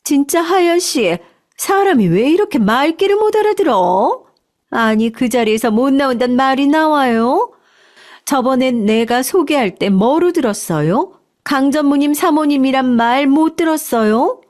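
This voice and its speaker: A woman's voice: high-pitched, expressive, a little slow, a little mellow, pitched above the performer's own voice. A woman voicing a domineering, condescending middle-aged manager's wife in a storytelling drama. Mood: scolding. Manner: scolding, condescending.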